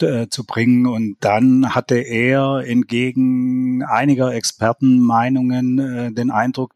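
A man's voice: mid-range voice, dry recording. Hesitant man with a dry sound. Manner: hesitant, many fillers. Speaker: football reporter guest. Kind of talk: casual podcast discussion. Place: home office.

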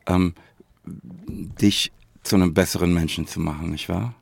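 A man's voice: low-pitched, steady tone, fairly quick, gravelly, no room sound. A man, a podcast co-host chatting in a colloquial way and checking for agreement. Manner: colloquial, seeks agreement with tag questions. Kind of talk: casual conversational podcast chat.

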